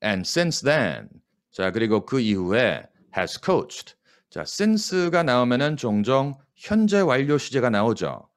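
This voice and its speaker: A Korean man coaches listeners through an English news passage, reading each phrase in a slow, careful model voice. His pitch swings widely as he explains in quick Korean. He asks the listeners to repeat after him. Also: big pitch swings. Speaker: English teacher and news anchor.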